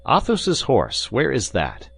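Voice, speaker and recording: A man's voice: medium pitch, huge pitch swings, slow pace, vocal fry, fairly bright tone, husky, pitched above the performer's own voice, heavily acted. A man voicing an earnest, hot-headed young musketeer who speaks urgently. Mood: brisk. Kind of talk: audiobook character reading.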